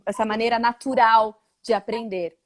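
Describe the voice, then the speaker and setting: Brazilian woman teacher, lively chat, acts out quotes, higher pitch. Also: normal speed. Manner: animated, acts out quoted voices. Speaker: English teacher guest. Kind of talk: casual interview chat.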